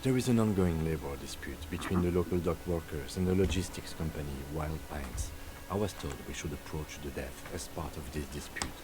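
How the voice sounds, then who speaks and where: A calm, deep-voiced police lieutenant. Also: male voice, background noise. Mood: matter-of-fact. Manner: measured, matter-of-fact, dry.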